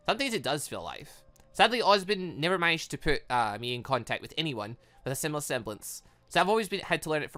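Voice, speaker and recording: A man hosting a gaming video, thinking aloud and reading game dialogue in an excitable, animated way. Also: a little high. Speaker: gaming channel host.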